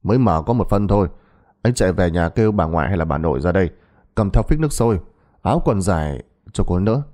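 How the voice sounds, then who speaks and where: A man voicing a brusque, teasing older male country doctor who talks in quick, matter-of-fact orders in a storybook tale. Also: deep voice, expressive, warm tone.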